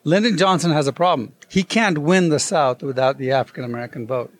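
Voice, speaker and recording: A man's voice: on the high side, brisk. A man as an interview guest, telling a story and acting out the quoted voices. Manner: animated, acts out quoted dialogue. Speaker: guest author. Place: convention.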